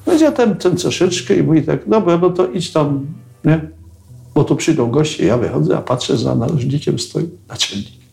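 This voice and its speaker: An older man telling anecdotes in a casual, animated way, acting out what others said. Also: on the high side, moderate pace, creaky, faint music behind. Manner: animated storyteller who acts out quotes and tags lines with "nie?". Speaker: interviewee recalling militia days.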